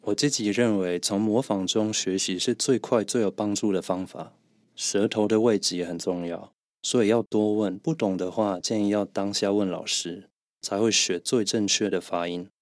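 Low-voiced man teaching German. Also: steady tone, moderate pace, dry recording, studio quality. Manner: explanatory, methodical. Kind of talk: podcast language lesson.

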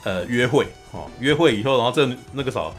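A man chats through a film plot at a rapid clip, as the host of a casual podcast. His voice sits at an everyday middle pitch. He tells it with lively animation, often acting out the lines. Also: soft background music. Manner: animated storyteller, often acts out quotes. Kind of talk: casual film recap chat.

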